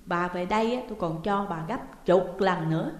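A woman doing a calm, soothing master of the house. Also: lowish voice, moderate pace, close to an everyday voice. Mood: placating. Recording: roomy echo with long reverb.

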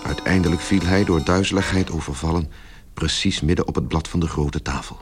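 An actor as the grave storyteller, giving measured literary narration in a radio play. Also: male voice, sits low, natural voice. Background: music.

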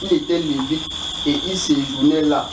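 A man asking questions about the Bible in a halting, roundabout way, repeating himself often. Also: a little high. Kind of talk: informal spoken question. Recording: echoey, distant, noisy pickup.

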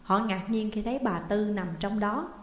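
A woman storyteller giving a steady, dramatic narration of a spooky tale, in a roomy recording with long reverb. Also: mid-range voice, moderate pace.

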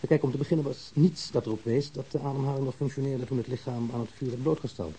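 Actor as matter-of-fact pathologist, warm dark tone, quick, calm, radio drama, faint hiss. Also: male voice, medium pitch, lightly acted, low-quality recording. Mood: explaining. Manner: calm, factual explaining. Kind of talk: Dutch radio drama acting. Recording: hissy old radio drama recording.

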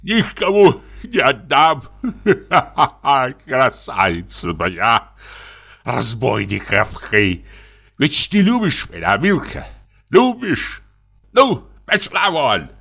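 Man doing a bragging middle-aged army officer, wheedling and blustering, voice leaping high, bright edge, audiobook story. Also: huge pitch swings, slow pace, vocal fry, exaggerated voice. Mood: boastful. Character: boastful middle-aged army lieutenant selling his dog.

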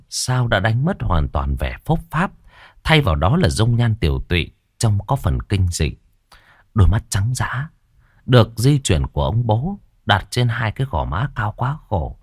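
A man narrating a scripted horror story with a dramatic, expressive reading. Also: on the low side, no room sound, clean studio sound.

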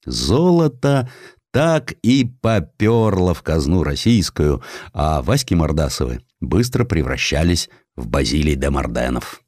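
A man's voice: rumbling low, big pitch swings, unhurried, darkish tone, breathy edge, dry recording, clean studio sound. A man narrating a historical sketch as an audiobook, in a theatrical and wry storytelling manner.

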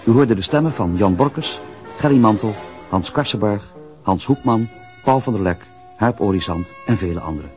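A male announcer reading the closing credits of a radio drama in a measured, formal way. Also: lowish voice, lively intonation, a little mellow, soft background music.

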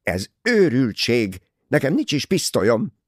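A man's voice: mid-range voice, wildly swooping pitch, breathy edge, dry recording, studio quality, voice pushed up. A man voicing a defiant, nervy young woman in an audiobook, snapping with indignation. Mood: angry denial.

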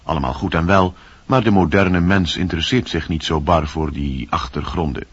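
A man giving a scripted, literary introduction to a radio play as announcer, with a husky voice. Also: low-pitched, normal speed, dry recording. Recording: dull, dry old radio recording.

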